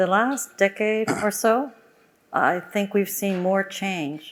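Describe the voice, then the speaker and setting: A woman talks with a New York accent. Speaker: tech company executive. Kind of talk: panel discussion. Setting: conference stage with audience. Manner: fluent, confident.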